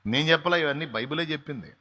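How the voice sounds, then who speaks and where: A man's voice: a little high, racing, breathy edge. Fervent male pastor preaching. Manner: fervent preaching, swinging from quiet to loud. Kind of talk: sermon.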